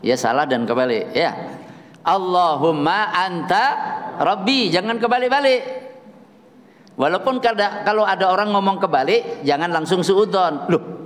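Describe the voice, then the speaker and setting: A slow-paced, rather high male voice delivers a sermon with a Javanese accent, chatting and joking with the congregation. He drops Javanese asides between points. The sound carries a long hall reverb. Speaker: preacher.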